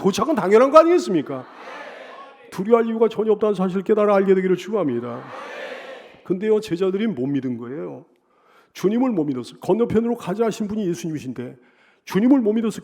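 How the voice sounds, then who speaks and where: High-voiced pastor preaching emphatically. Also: male voice, a little hiss or hum. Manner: emphatic repetition and rhetorical questions; swells louder on key phrases, drops low on others. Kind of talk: Sunday sermon.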